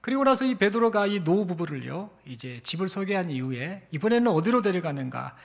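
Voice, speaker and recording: A male pastor preaches a sermon with a high voice. He tells a story and asks rhetorical questions as he goes. His delivery swings widely in pitch and stays animated throughout. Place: church sanctuary.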